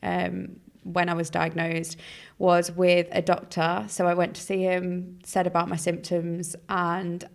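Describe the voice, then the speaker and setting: Woman, 20s, from England, lowish voice, chatty podcast guest with plenty of fillers. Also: completely flat delivery, a little slow, gravelly. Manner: chatty, frequent "um" and "kind of". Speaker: charity founder as podcast guest. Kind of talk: casual conversation.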